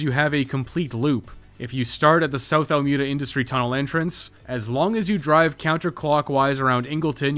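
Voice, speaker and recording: A man narrates a scripted video game guide at a medium pitch. He explains things plainly and matter-of-factly, with music playing behind his voice. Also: fairly bright tone.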